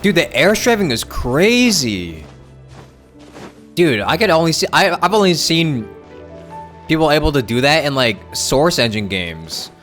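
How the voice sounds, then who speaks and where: A man's voice: on the high side, very animated, unhurried, a bit bright. A man livestreaming a game with casual, informal commentary, full of exclamations and muttered asides. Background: game music.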